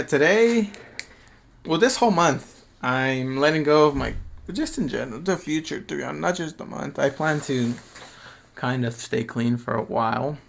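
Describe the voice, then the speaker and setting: A man's voice: mid-range voice, vocal fry, a bit bright, a little hiss or hum. A man of twenty hosting his own podcast, talking alone in a rambling, slangy way, swearing often and restarting his sentences. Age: 20s. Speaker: podcast host. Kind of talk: casual reflective solo monologue.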